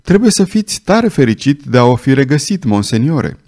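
A man's voice: mid-range voice, very animated, darkish tone. A man playing a wry, dignified old swordsman. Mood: sly. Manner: courteous and ironic.

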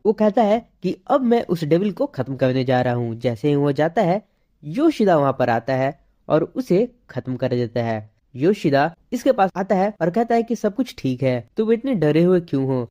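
A woman narrating an anime recap, retelling the plot and reading each character's lines in a plain, steady way. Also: low-pitched.

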